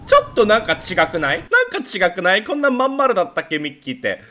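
A man's voice: sits high, huge pitch swings, fast talker, pushed and bright, faint music behind. A young man, chatting animatedly to viewers while playing a horror game. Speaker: gaming channel host. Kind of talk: horror game let's play commentary.

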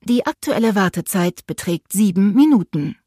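A woman's voice: mid-range voice, lively intonation, dark tone, breathy edge, dry recording, clean studio sound. A woman doing a relentlessly friendly phone robot. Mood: politely robotic. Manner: polite, measured, unflappable.

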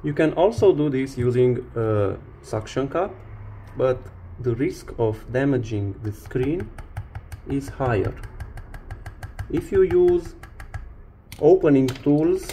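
A man presenting a hands-on repair tutorial, explaining step by step in short, halting phrases. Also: medium pitch, expressive, warm tone, a little hiss or hum. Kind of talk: hands-on instructional demonstration.

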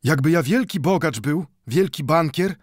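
A man's voice: medium pitch, big pitch swings, a little slow, no echo, clean studio sound, voice pushed up. A man voicing an old Jewish bookbinder in an audiobook, speaking broken Polish full of "nu" and growing heated as he pleads. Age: older.

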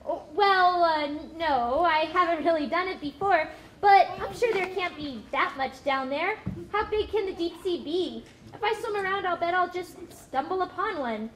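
A woman's voice: extremely high pitch, lively intonation, normal speed, a bit bright, a little hiss or hum. A woman voicing a curious, eager young female sperm whale in a live puppet show. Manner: wide-eyed, enthusiastic.

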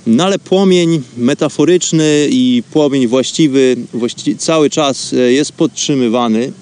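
A man's voice: medium pitch, a little slow, a little mellow, clear, resonant tone. Reflective male radio host. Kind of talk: informal monologue storytelling on a spiritual radio show.

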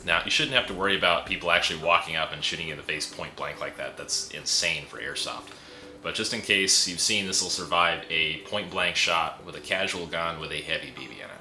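Low, sharp-voiced young man reviewing gear. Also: a little fast, soft background music. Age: young adult. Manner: chatty, easygoing, with frequent fillers. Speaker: product reviewer. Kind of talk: casual product review. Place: indoor room with a pegboard wall. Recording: roomy echo.

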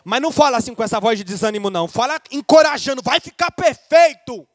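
A man preaching a lively sermon, speaking straight to his congregation. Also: extremely high pitch, rapid-fire, no room sound, clean studio sound.

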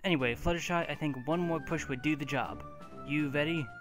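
A woman playing a deep-voiced, dry doctor. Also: a little fast, over music, lightly acted.

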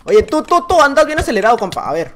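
A man with a Mexican Spanish accent giving casual, excitable gameplay commentary, full of slang, laughing and often shouting. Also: extremely high pitch, quick pace, slight background noise. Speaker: gaming YouTuber.

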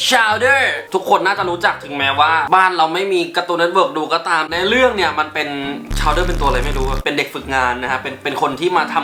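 A man's voice: high voice, bright, forceful tone. Casual male vlogger in a roomy, echoey space. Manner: mixes English words into Thai. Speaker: YouTube host counting down favourite cartoons. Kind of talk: casual commentary. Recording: roomy echo, music behind. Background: background music.

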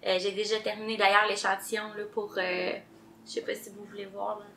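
A woman's voice: mid-range voice, level tone, brisk, sharp tone, a little hiss or hum. A woman with a Québécois French accent co-hosting a knitting podcast in casual chat, hesitant and stumbling over her words but enthusiastic. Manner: hesitant, many fillers and restarts, enthusiastic. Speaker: podcast co-host. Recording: roomy echo.

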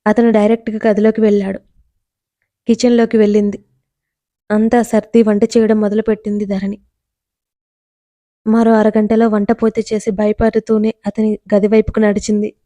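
A woman narrating a romance story with an even, measured reading. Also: medium pitch, no echo.

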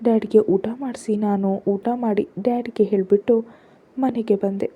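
A woman narrating a first-person family drama story in a soft, hushed storytelling voice. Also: medium pitch, steady tone, unhurried, breathy edge, highs cut off.

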